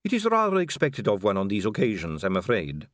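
Brief: male narrator as a sly aristocratic vampire lady, audiobook; cool, unhurried, faintly mocking. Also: fairly low pitch, wildly swooping pitch, dry recording, studio quality. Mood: smooth, courteous. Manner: cool, drawling, amused and poised. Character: calm, elegant, sly female vampire noblewoman. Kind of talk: audiobook character reading.

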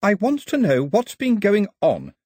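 A man voicing a fierce, bossy young woman who snaps out commands in a raised, sharp voice. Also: medium pitch, huge pitch swings, moderate pace, slightly rough, no echo, clean studio sound, voice pushed up. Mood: demanding.

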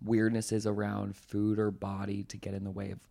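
A man in his twenties co-hosting a podcast, chatting casually, excitable and jokey, swearing now and then. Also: fairly low pitch, moderate pace, gravelly, no room sound. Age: 20s. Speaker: podcast co-host.

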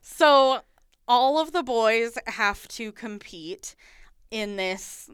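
A woman's voice: fairly high pitch, animated, extremely slow, fairly bright tone, clean tone, no room sound, studio quality. A woman hosting a podcast, giggling often as she casually recaps a reality show. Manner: giggly, frequent laughing. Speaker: podcast host.

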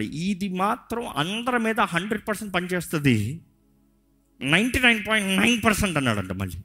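A man's voice: sits high, fairly bright tone. A man preaching a sermon as pastor, passionate and mixing in English phrases.

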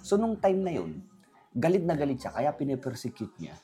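Male, casual storyteller, rambling, animated quoting. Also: medium pitch, moderate pace. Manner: rambling, animated retelling with quoted voices and code-switching. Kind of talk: casual chat.

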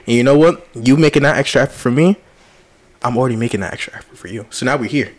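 A man with an African American accent bantering casually in animated, slangy, profane speech. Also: mid-range voice, quick pace. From Patterson, United States.

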